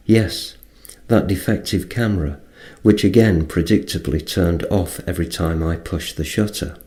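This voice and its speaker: Very deep, mellow male narrator. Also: moderate pace. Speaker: reader of a first-person account. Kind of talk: scripted audiobook-style narration.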